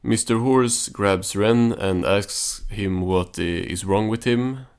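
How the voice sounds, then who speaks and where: Male recap narrator, low register, casual and understated, dry commentary delivery. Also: slow, clean tone, soft background music. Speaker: video reviewer and narrator.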